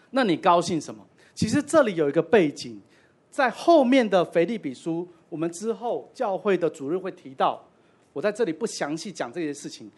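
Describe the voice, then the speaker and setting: A man's voice: high voice, a little mellow. Guy pastor giving a sermon, chatty asides, voice bounces up and down a lot. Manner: conversational, self-deprecating asides.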